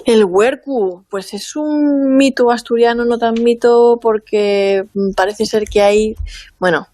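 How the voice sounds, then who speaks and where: A woman's voice: fairly high pitch, slow, mellow, dry recording. A woman writer on a talk panel, chatting enthusiastically. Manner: enthusiastic, talkative. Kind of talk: casual panel discussion.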